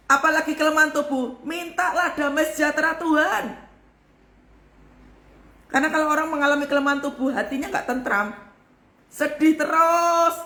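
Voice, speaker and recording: A woman pastor giving a live devotional sermon with a forceful, emphatic delivery. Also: high-pitched, reverberant.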